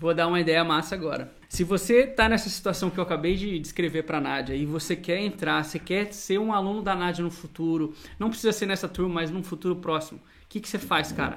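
With a high pitch and ordinary pitch variation, a man rushes along at a very fast pace. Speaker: podcast co-host, voice-over teacher. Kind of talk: casual chat. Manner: animated.

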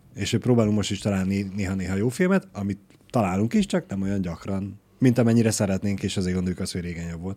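A man speaks at a very fast pace in a fairly low pitch. His tone is dark and mellow, and his intonation stays fairly even. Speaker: co-host. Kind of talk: casual chat. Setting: studio.

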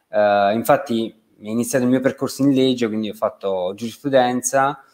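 A man with an unremarkable speaking voice talks at a moderate pace in a medium pitch, with ordinary pitch variation. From southern Italy, Campania. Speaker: wedding photographer. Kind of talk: interview.

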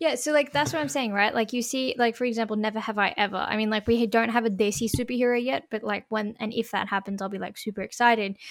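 Talking very fast, a woman with an Australian accent uses a fairly high pitch and ordinary pitch variation on a very clean recording with a silent background. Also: hardly any pauses. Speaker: podcast host. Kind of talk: casual chat.

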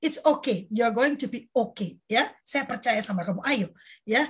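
Loud and high-pitched, a woman talks with lively intonation. Her pace is moderate. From Surabaya, East Java, Indonesia. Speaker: parenting community host and speaker. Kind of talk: online talk on communication with Q&A. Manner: loud, direct.

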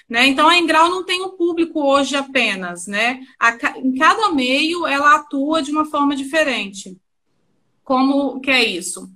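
A raised, projected voice moves at a fairly slow pace with lively intonation. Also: woman, high pitch for a woman. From Espírito Santo, Brazil. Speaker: sales director, print industry. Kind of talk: interview.

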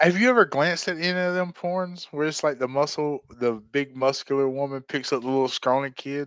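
In a dry, close sound with no echo and a quiet background, a man speaks at a fairly quick pace and a fairly high pitch, his tone animated and his pitch variation ordinary. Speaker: podcast host. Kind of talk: casual banter. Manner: animated, joking.

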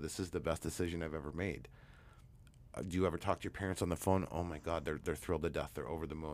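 A man talks at a very fast pace in a very deep, low pitch. His voice has vocal fry and fairly even intonation. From Canada. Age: 40s. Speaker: hypnotherapist. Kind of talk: casual chat.

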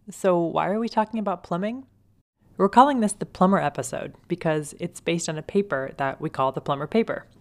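On a very clean recording with a silent background, a woman with an ordinary speaking voice talks fairly quickly, fairly low in pitch, with lively intonation. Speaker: podcast host. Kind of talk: scripted narration.

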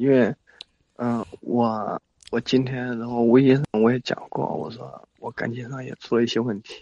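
With a dark, mellow tone and a medium pitch, a man talks at a moderate pace in a dry, close sound with no echo. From Hubei, China. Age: 20s. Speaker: caller seeking relationship advice. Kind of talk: phone-in advice call. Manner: halting.

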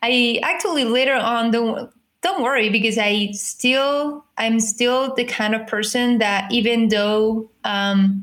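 Fairly slow and fairly high, a woman's voice with a Spanish accent moves with ordinary pitch variation. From Spain. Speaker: health tech startup founder. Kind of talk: interview.

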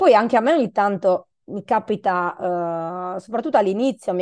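Against a quiet background with a dry, close sound with no echo, a woman talks at a fairly quick pace in a medium pitch. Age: 40s. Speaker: business mentor. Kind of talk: casual chat. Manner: animated.

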